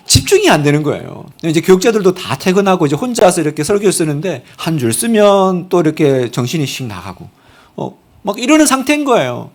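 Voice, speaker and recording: A middle-aged man preaching a sermon as pastor in a church, expressive, moving between hushed and emphatic delivery. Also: a little high. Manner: expressive, acts out voices and quotes with sudden loud and soft swings. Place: church sanctuary.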